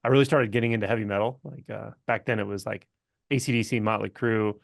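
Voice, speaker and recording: A man hosting an interview in a conversational, relaxed style. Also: on the low side, fast talker, gravelly, no room sound, clean studio sound. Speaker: channel host and interviewer.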